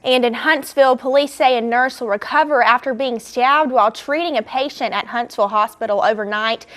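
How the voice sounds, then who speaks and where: A woman's voice: fairly high pitch, a little fast, a bit bright. A young woman anchoring a student newscast, delivering scripted state news evenly. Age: young adult.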